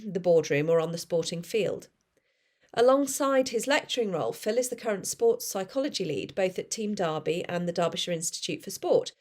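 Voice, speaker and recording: A woman hosting a podcast who reads a guest introduction in a clear, measured way and then asks conversational questions. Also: mid-range voice, a little mellow. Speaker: podcast host.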